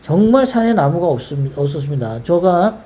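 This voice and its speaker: A woman from South Korea hosts a political commentary show in a low, dark voice. Her talk runs heated and rambling, and she keeps throwing out rhetorical questions. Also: big pitch swings, moderate pace, slight background noise. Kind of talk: casual political monologue.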